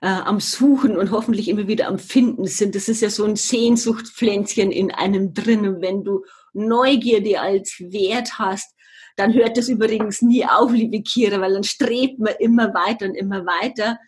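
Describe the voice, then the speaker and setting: Breathy-voiced older woman telling a story. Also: mid-range voice, fairly even intonation, normal speed, darkish tone. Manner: earnest, reflective, with hesitations. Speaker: podcast guest. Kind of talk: personal storytelling in a conversation.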